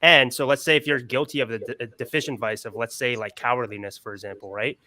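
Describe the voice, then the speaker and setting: A man with a bright, ringing voice talks through his ideas on a casual podcast panel. He lays out his points at length and keeps tossing in "right?" to check the others are with him. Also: mid-range voice, fairly even intonation, fast talker, no room sound.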